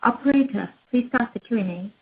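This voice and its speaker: A woman moderates a corporate call in short, scripted directions. Her voice is fairly high, and it comes through thin and narrow like a telephone. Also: a little fast. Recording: thin, narrow phone-like sound.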